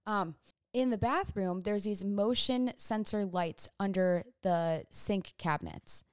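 A woman's voice: mid-range voice, slow pace, smooth, dry recording, clean studio sound. A young woman in her twenties telling a long, rambling storytime to camera in casual chat, sidetracking often. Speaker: vlogger. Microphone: phone or camera on a stand.

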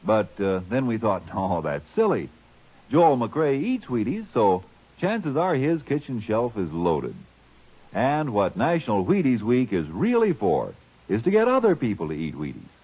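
A man's voice: mid-range voice, sing-song, a little slow, husky. A man delivering chatty, emphatic sales talk as a 1950s radio announcer. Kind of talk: folksy 1950s radio advertising. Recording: muffled 1950s radio recording.

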